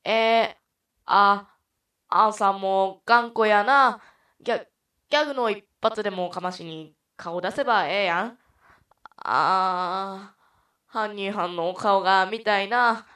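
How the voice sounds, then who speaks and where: A woman with a stuffy nose voicing an earnest young male rookie detective, talking down a hostage taker slowly and loudly in a put-on Kansai accent. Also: mid-range voice, recorded from a distance. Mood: pleading. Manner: loud, slow, pleading.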